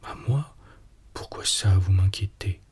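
A man's voice: low-pitched, slow, heavily acted. A man whispering as a coaxing young wife, whispered role-play. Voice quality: whispered, breathy. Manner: coaxing, gently teasing.

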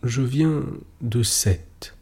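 A man's voice: medium pitch, extremely slow, dark tone, husky, voice pushed up. A man reading as a blunt weathered old sailor. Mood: flat. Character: weathered older sailor returning home, blunt.

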